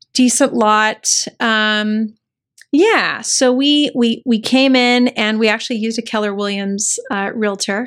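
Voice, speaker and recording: A woman with an American accent, a plain, everyday voice, fairly high pitch, fairly even intonation and a fairly slow pace, on a very clean recording with a silent background. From West Texas, El Paso. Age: 40s. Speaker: real estate agent and investor. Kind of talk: casual interview.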